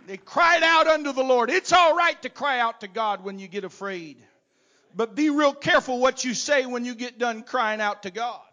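A man preaching with a very high, bright, forceful voice. He moves from hushed, murmured asides to loud, shouted calls. He keeps a preacher's rising, rhythmic delivery. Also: expressive, moderate pace. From not from Texas. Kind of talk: sermon.

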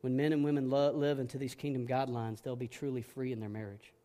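A middle-aged male pastor preaching a sermon in an earnest way, swinging between hushed, gentle passages and emphatic ones. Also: mid-range voice, flat delivery, fast.

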